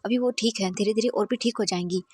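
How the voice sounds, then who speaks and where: A woman voicing a calm young male doctor who reassures the family in a soft voice. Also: mid-range voice, fast talker, no room sound, close to an everyday voice. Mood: reassuring.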